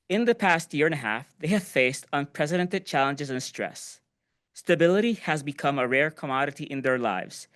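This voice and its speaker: A man's voice: fairly high pitch, a bit bright. A man reading out a translated public speech as an interpreter.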